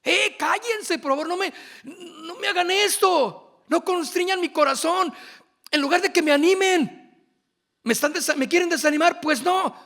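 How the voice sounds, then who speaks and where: A man's voice: very high-pitched, normal speed, gravelly, pushed and bright, voice pushed up, exaggerated voice. A man voicing an exasperated apostle who scolds and pleads with his weeping friends. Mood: exasperated pleading.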